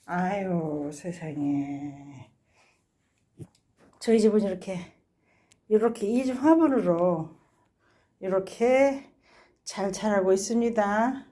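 A woman's voice: mid-range voice, takes it slowly, long pauses, warm tone. A woman hosting a gardening vlog, chatting fondly about her plants with frequent sighing exclamations as she walks through her balcony garden. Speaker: gardening channel host. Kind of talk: casual walkthrough vlog.

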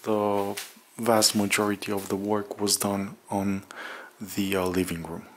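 A man narrating a casual walk-through vlog in a halting, hesitant way with drawn-out pauses, recorded indoors on a handheld camera. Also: fairly low pitch, little pitch movement, a little hiss or hum. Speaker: vlogger. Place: bare room under renovation, indoors, windows open.

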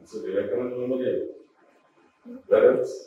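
A man's voice: medium pitch, fairly even intonation, a little fast, dark tone, highs cut off. A middle-aged man with an Indian accent, questioning formally and sternly as an interview panelist. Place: echoey indoor studio panel table. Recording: very echoey room, faint hiss.

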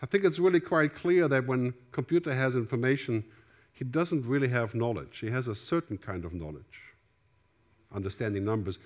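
A man's voice: mid-range voice, moderate pace. A middle-aged man with a German accent giving a conference keynote on a large theater stage. He speaks through a headset mic in a conversational way and often adds "right?". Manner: conversational, gestures widely, asks "right?" often.

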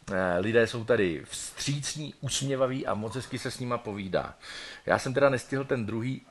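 A man's voice: medium pitch, a bit bright. Playful, hesitant man hosting a stream. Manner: playful, chatty, hesitant with many fillers. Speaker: actor hosting a theatre livestream. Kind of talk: casual live-stream chat.

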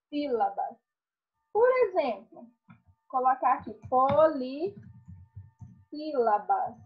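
Her pitch is high and the recording has its top frequencies cut off. She's a primary school teacher revisiting a lesson online, asking her pupils questions at a slow pace and supplying the answers herself.

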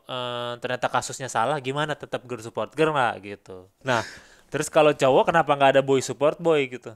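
A man's voice: medium pitch, brisk, clean tone. A man, co-hosting a casual chat, joking and laughing often in slangy banter. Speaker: co-host.

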